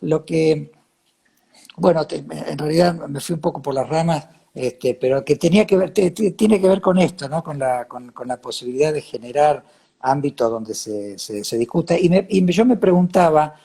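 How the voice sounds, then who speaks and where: A man with a Cordoba Argentine accent in a reflective interview conversation, haltingly repeating words as he searches for his phrasing. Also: a little high, lively intonation, gravelly, warm tone, breathy edge.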